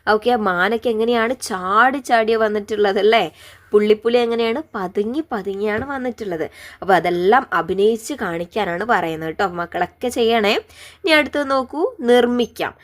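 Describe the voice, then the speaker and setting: A woman teacher giving a gentle primary school lesson, coaxing young children with questions. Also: medium pitch, normal speed.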